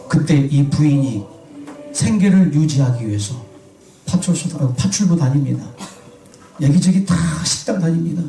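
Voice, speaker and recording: Male pastor, fairly high voice, questioning the congregation, recorded from a distance in a reverberant hall. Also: dark tone, a little hiss or hum. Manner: asks the congregation questions and answers himself. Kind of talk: sermon.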